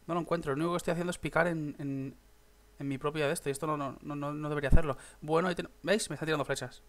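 Excitable young gamer, higher voice. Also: male voice, racing. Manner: chatty, swears, bursts into excited shouts. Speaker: gaming YouTuber. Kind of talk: casual gameplay commentary.

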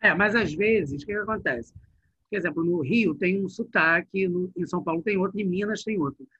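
A middle-aged male teacher, leading an online class in a lively, chatty way and talking straight to his students. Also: high-pitched, fairly quick, husky, no echo. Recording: dull, muffled online class audio.

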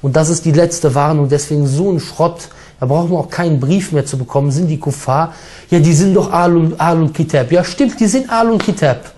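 A man preaching a sermon with emphatic, forceful delivery, mixing in Arabic recitation. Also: a little high, a little fast.

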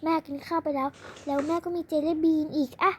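A child voicing a gentle, doting mother of two girls, coaxing and scolding softly in a pretend play. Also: high-pitched, steady tone, fast talker, slight background noise. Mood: soothing.

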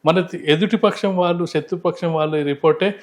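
Male political analyst, brisk delivery, emphatic and explanatory, unscripted. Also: high-pitched, fairly even intonation. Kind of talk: unscripted political commentary in an interview.

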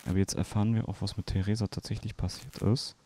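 A man's voice: fairly low pitch, steady tone, fast, warm tone, slight background noise. A man hosting a let's play, chatting and joking about game details as he plays. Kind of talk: casual gameplay commentary.

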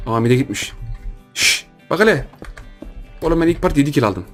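Excitable young man commentating gameplay. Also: fairly high pitch, normal speed, soft background music. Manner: jokey, excitable, talks to viewers and opponents. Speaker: gaming YouTuber.

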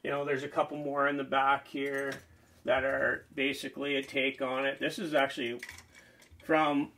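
Bright-voiced chatty fishing host. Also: male voice, fairly high pitch. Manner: chatty, rambling, enthusiastic. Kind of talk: casual show-and-tell walkthrough. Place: small indoor man cave packed with lures.

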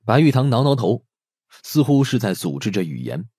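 A man's voice: medium pitch, very animated, moderate pace, dark tone, slightly rough, no echo, clean studio sound. A man narrating a scripted audio drama as a dramatic storyteller. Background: background music.

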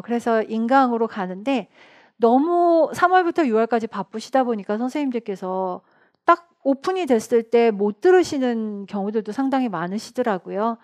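Woman lecturer with a fairly high voice, chatty and animated. She acts out quoted lines and laughs often. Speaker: exam prep lecturer. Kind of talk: online lecture.

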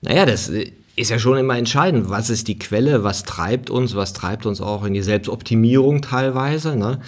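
A man who leads seminars, talking thoughtfully in a relaxed conversation and often ending phrases with a questioning tag. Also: mid-range voice, moderate pace. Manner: thoughtful, tags sentences with "ne". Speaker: seminar leader. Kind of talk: reflective conversation.

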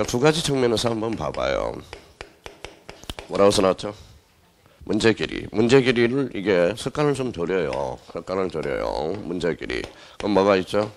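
A man's voice: deep voice, creaky, a little hiss or hum. A male exam-prep lecturer teaching a class, who asks the students questions, answers them himself and repeats the key words.

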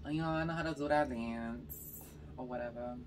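A young woman from Georgia with a slight Californian accent and a slightly raspy voice, chatting casually between bites while eating on camera. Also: extremely low pitch, moderate pace, distant mic, noisy background. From Georgia, US South. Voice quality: a little raspy. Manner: chatty storytelling between bites, lots of "like" and "y'all". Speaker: mukbang vlogger. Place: bedroom, indoors.

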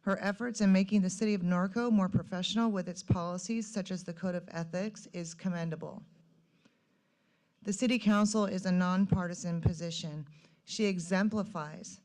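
A woman with a fairly low voice addresses a civic meeting. She reads prepared remarks in a formal register, as a member of the public would at a podium. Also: steady tone, moderate pace, darkish tone. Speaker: public commenter. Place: city council meeting room, at public podium.

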